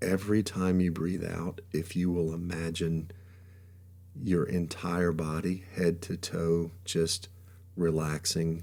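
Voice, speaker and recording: Soft-spoken, a man talks very slowly at a very deep, low pitch with monotone, flat intonation. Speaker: meditation guide. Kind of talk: ASMR guided meditation. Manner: soft-spoken, slow, relaxing.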